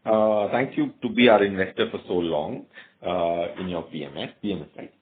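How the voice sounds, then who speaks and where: A man's voice: deep voice, normal speed, slight background noise. A man with an Indian accent, a company executive answering investors in a rambling way with repeated phrases on an earnings call. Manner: rambling, repeats phrases, switches between English and Hindi. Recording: narrow-band conference call audio.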